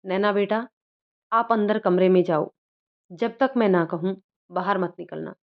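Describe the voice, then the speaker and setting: A woman voicing an angry grown man who shouts harsh commands, read as a storybook role. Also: mid-range voice, a little slow, lightly acted. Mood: gentle. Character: angry grown man, husband turned furious. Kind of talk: storybook reading. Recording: dull lo-fi recording.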